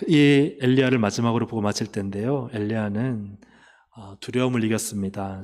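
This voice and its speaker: A man preaching a sermon as pastor, emphatic, swinging between loud calls and soft asides. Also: on the low side, in a large hall. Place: church sanctuary.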